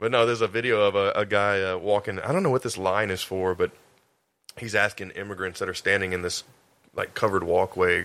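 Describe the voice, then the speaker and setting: On a very clean recording with a silent background, a man with a fairly low pitch speaks fairly quickly in a bright, sharp tone, keeping his intonation fairly even. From US, Columbus. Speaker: podcast guest. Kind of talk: casual chat.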